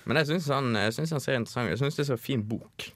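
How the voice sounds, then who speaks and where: A man's voice: medium pitch, a bit bright, no echo, clean studio sound. A man hosting a radio segment, presenting items casually with fillers. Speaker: radio host.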